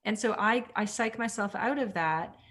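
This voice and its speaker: A woman's voice: mid-range voice, normal speed, a bit bright. A woman leading an online real estate training class, talking candidly and chattily, with lots of "like" and acted-out quotes of herself. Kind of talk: motivational online class talk. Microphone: video call.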